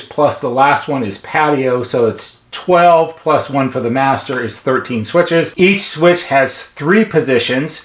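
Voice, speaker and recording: A middle-aged man with an American accent gives an unscripted, methodical, plain-spoken product walkthrough as a repair technician. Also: a little high. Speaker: presenter, intercom repair technician. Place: indoor workshop at a workbench. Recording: roomy, echoing indoor sound.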